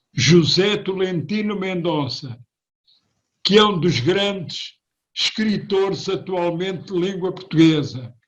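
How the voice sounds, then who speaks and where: A man with a high pitch, a very slow pace, and ordinary pitch variation. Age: 80s+. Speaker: retired professor and philosopher. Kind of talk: online panel debate.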